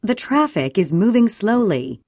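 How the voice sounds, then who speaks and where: A woman reads short English sentences for a language drill, each one clear and deliberate. Her intonation moves lively up and down. The sound is dry and close, with no room behind her. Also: medium pitch, dry recording. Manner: clear, even, deliberate reading. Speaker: English audio reader. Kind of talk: slow scripted English sentence reading for drills.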